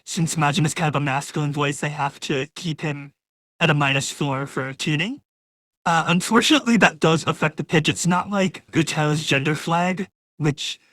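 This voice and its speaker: A woman talking casually through a software demo, her voice converted by a real-time voice changer into a masculine one. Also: sits low, no room sound, studio quality. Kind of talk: casual live software walkthrough.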